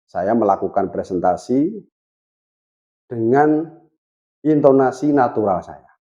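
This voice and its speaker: A man's voice: medium pitch, expressive, takes it slowly, dark tone, highs cut off. A man in his thirties teaching public speaking, talking straight to his viewers and shifting his intonation on purpose to show how it is done. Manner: varies intonation on purpose to demonstrate. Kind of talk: instructional talk to camera.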